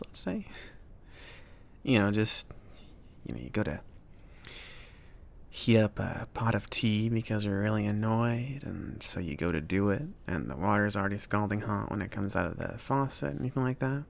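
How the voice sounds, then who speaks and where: A man playing a friendly, awkward mage who runs a magic shop, rambling and reassuring in a soft-spoken ASMR roleplay. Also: fairly low pitch, gravelly. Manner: rambling, hesitant, reassuring, with nervous chuckles.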